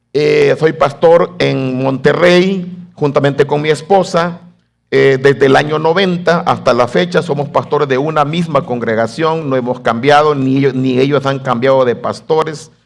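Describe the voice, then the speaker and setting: With a fairly high voice and ordinary pitch variation, a man speaks at a fairly slow pace. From El Salvador. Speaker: pastor. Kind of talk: lecture. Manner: hesitant, many fillers.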